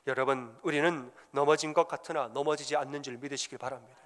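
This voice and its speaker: A man's voice: mid-range voice, fairly even intonation, fast talker, a bit bright. A man preaching a sermon as pastor, with emphatic repetition and storytelling. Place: church sanctuary. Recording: long church reverb.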